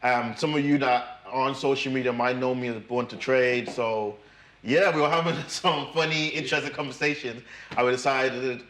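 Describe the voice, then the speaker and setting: A young Irish man, a guest trader, chats casually, laughing often and repeating phrases. His mid-range voice is steady and a bit bright at a normal speed, recorded in an echoey room.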